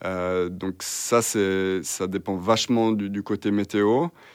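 A man speaks with fairly even intonation. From French-speaking Switzerland, near Nyon (Vaud). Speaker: filmmaker and snowboarder. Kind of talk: interview. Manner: hesitant, frequent fillers.

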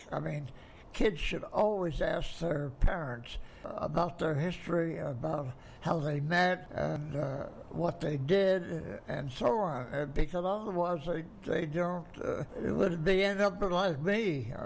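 Speaking very slowly at a high pitch, a man shows ordinary pitch variation, and the room echo is audible. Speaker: son of a doll maker. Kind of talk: interview.

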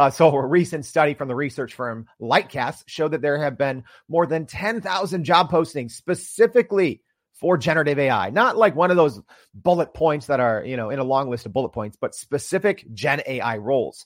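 Over a silent background in a very clean recording, a man with a plain, everyday voice talks fairly quickly at a fairly high pitch with lively intonation. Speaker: podcast host. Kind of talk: podcast intro and interview. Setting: live stream.

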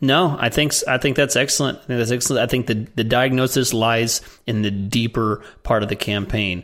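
An ordinary speaking voice at a fairly quick pace with fairly even intonation. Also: man, medium pitch for a man. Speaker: podcast host. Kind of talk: podcast Q&A, reading listener question. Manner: joking, playful.

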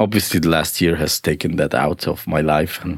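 Very deep and low in pitch, a man speaks with a Polish accent. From Poland. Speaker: podcast host and fire science professor. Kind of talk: solo podcast monologue.

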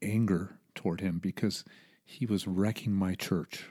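Speaking at a fairly slow pace with a fairly low pitch and fairly even intonation, a man with an American accent has a plain, everyday voice, on a very clean recording with a silent background and a dry, close sound with no echo. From California, US. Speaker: ministry president. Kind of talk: interview.

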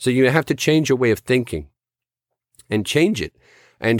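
Recorded very cleanly with a silent background and a dry, close sound with no echo, a man speaks in a normal speaking voice at medium pitch with ordinary pitch variation. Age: 40s. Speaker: radio pastor. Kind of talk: radio sermon. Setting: radio broadcast.

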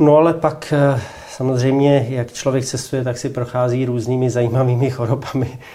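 Speaking at a medium pitch and a moderate pace, a man keeps a monotone, flat intonation. There is audible room echo and noticeable background noise. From Czech Republic, Průhonice near Prague. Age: 30s. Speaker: traveler and filmmaker. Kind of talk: interview. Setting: cabin by a pond.

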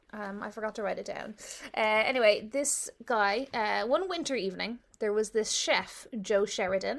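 In an Irish accent, a woman speaks with an animated tone at a moderate pace. Her pitch is fairly high, with ordinary pitch variation. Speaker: podcast co-host. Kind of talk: casual chat. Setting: in person, at work. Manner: animated, laughing.

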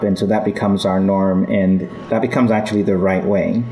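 A man with a fairly low pitch speaks at a moderate pace with fairly even intonation. Audible room echo and noticeable background noise surround him. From Ghana, raised in several countries. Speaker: business executive. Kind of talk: faith testimony interview.

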